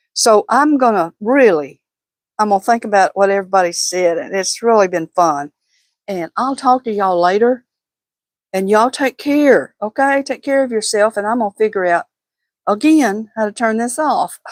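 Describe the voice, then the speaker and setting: A woman with a Southern accent speaks at a moderate pace with a fairly high pitch and lively intonation. The sound is dry and close with no echo. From Texas, Houston area. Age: 50s. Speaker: livestream host. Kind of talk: casual chat. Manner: halting.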